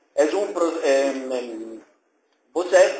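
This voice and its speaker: A dark, mellow voice unfolds at a very slow pace with audible room echo. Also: man. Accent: non-native. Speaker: professor. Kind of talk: lecture. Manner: halting.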